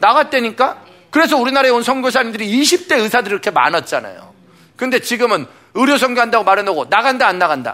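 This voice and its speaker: A man's raised, projected voice at an extremely high pitch, very fast and animated, with lively intonation and very even loudness over noticeable background noise. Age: 40s. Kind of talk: sermon-style lecture to a studio audience.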